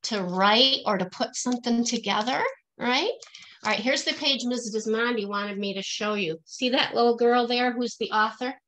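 A woman's voice: on the high side, moderate pace, fairly bright tone, rough recording. A middle-aged woman reading a picture book aloud to children in a singsong, teacherly way, stressing the rhymes and asking questions.

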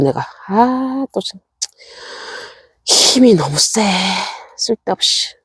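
A middle-aged woman vlogs casually at her rural home, talking to her succulents and scolding herself while she tends them. Her voice is low, darkish and a little breathy. The studio-quality recording has no echo.

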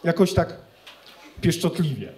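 A man's voice: fairly high pitch, expressive, measured pace, darkish tone. A young man performing an ironic, conversational stand-up comedy monologue on stage into a handheld mic. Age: young adult. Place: student club stage in front of an audience. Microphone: handheld microphone.

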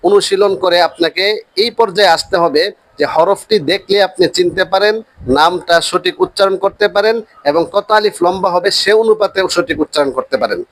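A man with a high voice teaches the Arabic letters with slow patience. He repeats each point and draws every letter name out long and loud. The sound is dry and close, with no room behind it. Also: no echo. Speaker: Quran teacher.

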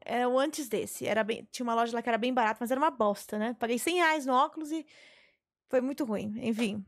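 Her voice is a little high and she talks quickly, a young woman chatting casually with her audience while playing a life-sim game. She tells stories and curses every so often, recorded on a headset mic in a small bedroom streaming space.

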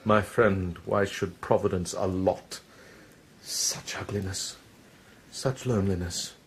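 A man's voice: low voice, steady tone, slow pace, a little hiss or hum. A man acting a proud, lovesick, self-mocking poet-swordsman in a radio verse drama, speaking with eloquent, theatrical lyricism. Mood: melancholy, self-mocking.

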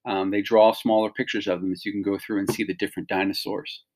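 A teacher in middle age reads a picture book aloud for children, offering simple explanations and pointing out details as an instructional read-along. His fairly low, darkish voice is fast and flat, with a little hiss or hum in the background.

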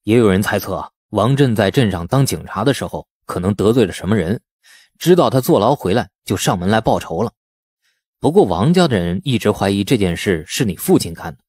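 A male narrator plays a knowing village man in an audiobook. He explains in a guarded, insinuating way, with lively pitch movement and a dry, close sound. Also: a little fast, breathy edge, dry recording.

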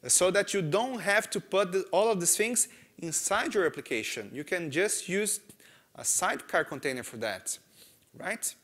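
A man in his thirties with a Brazilian Portuguese accent, speaking English as a second language. His voice sits slightly high. He runs a conference breakout talk on stage through a close mic, animated and full of "uh" and "right?". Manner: animated, gestures a lot, frequent "right?" and "uh" fillers. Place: large conference hall stage.

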